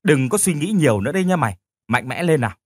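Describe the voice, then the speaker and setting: A man's voice: fairly high pitch, big pitch swings, fast talker, no room sound, clean studio sound. A man voicing a brash, kind-hearted young woman who bosses her friend around bluntly, in an audio story. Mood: bossy caring. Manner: bossy, blunt, swears affectionately.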